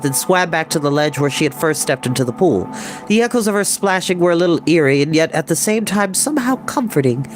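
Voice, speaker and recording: Woman reading a story over music. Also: sits low. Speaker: storytime reader. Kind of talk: expressive children's story narration.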